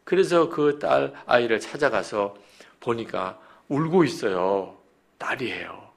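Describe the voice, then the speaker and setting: A man's voice: medium pitch, lively intonation, measured pace, gravelly. A male pastor preaching at a dawn prayer meeting in a church. He tells stories vividly and speaks straight to the congregation. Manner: retells stories vividly, addresses the congregation directly. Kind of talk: sermon with storytelling.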